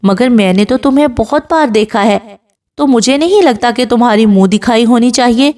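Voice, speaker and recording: A woman's voice: a little high, darkish tone, far from the mic, natural voice. A woman voicing a playful young husband who teases and coaxes his bride. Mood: teasing. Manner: teasing, coaxing.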